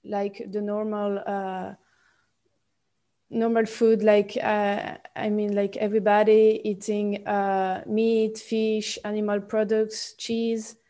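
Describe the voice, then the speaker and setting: A young woman from Switzerland speaks English with a Swiss French accent, pausing often and restarting her sentences. Her voice is mellow and her pitch stays level. She talks slowly as a podcast guest. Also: level tone. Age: 20s. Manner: halting, many fillers and restarts. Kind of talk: podcast interview.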